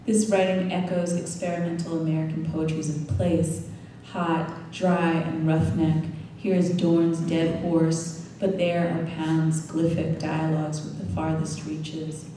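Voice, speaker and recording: A woman introduces the evening's poet, speaking in a low, level voice with a dark, mellow tone. She is heard from far off in a large, echoing room with a faint hiss of noise. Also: level tone, a little slow, hardly any pauses. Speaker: event host introducing the poet. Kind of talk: read introduction. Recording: roomy hall from a distance, faint noise.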